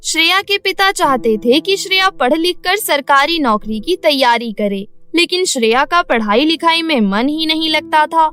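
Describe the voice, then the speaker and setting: A woman's voice: sits high, lively intonation, moderate pace, few pauses, fairly bright tone, faint music behind. A woman narrating a scripted bedtime cartoon story as its storyteller.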